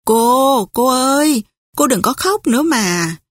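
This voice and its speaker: A woman voicing a spoiled, hot-tempered young widow in a storybook reading, with a petulant, shrill manner. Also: expressive, takes it slowly, fairly bright tone, dry recording, studio quality, exaggerated voice. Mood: pleading.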